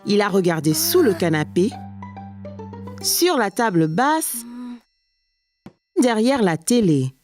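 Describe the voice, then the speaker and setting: A woman narrating a children's cartoon in a calm, even storytelling manner. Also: medium pitch, slow, long pauses. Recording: narration over soft music.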